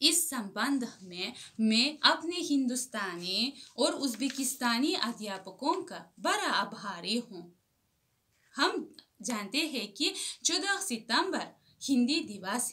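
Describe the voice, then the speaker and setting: A woman speaks at a very slow pace with a high pitch, very wide pitch swings and big swings in loudness. Her tone is bright and sharp, with an Uzbek accent. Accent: Uzbek-accented Hindi. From Uzbekistan. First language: Uzbek (speaking Hindi). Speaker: research scholar. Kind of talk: prepared address. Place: home room. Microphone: phone near.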